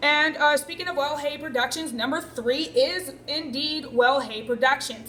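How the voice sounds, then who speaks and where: A woman speaks at a fairly slow pace with ordinary pitch variation over noticeable background noise. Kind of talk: casual talk to camera. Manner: hesitant, pausing and stuttering.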